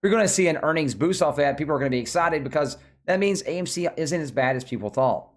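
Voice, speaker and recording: A man's voice: on the high side, expressive, quick pace. Casual man giving stock commentary. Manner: informal, colloquial, opinionated. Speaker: stock video host.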